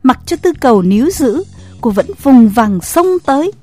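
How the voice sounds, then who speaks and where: A woman narrates a story, her voice breathy and husky yet lively in pitch. Gentle music plays faintly behind her reading. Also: normal speed.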